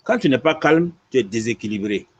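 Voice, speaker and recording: A man teaching on a dull, lo-fi recording. His husky voice rises and falls in a lively way as he repeats his points and keeps checking that the listener follows. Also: medium pitch, brisk. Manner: lively, repetitive explaining with frequent "tu vois". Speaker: imam answering questions. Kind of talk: religious teaching in conversation. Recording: dull lo-fi audio.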